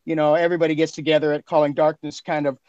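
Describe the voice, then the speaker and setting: Higher-voiced man, effusive and informal. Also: level tone, racing, darkish tone, no echo, highs cut off. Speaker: podcast host and producer. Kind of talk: casual chat.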